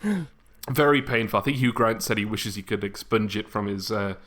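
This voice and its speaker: A man's voice: lowish voice, a little fast, a bit bright. A man chatting casually as a podcast host, with a wry, self-deprecating manner. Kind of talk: casual chat.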